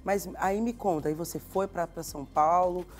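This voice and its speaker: A woman's voice: lowish voice, moderate pace, soft background music. A woman host with a Mineiro accent, interviewing with affirming, sermon-like encouragement. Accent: Mineiro Brazilian Portuguese. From Minas Gerais, Brazil. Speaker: TV show host.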